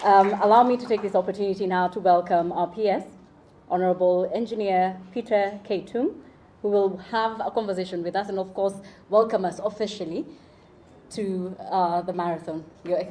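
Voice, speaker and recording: A woman's voice: mid-range voice, fairly even intonation, moderate pace, mellow, slight background noise. A woman emceeing a live event, politely introducing speakers with a few fillers. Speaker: event host. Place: event venue.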